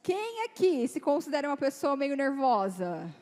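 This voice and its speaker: Young female youth speaker, lively and conversational, slightly high pitch, reverberant church hall. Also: moderate pace. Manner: lively, chatty, acts out dialogue in quoted voices. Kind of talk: informal talk to teenagers.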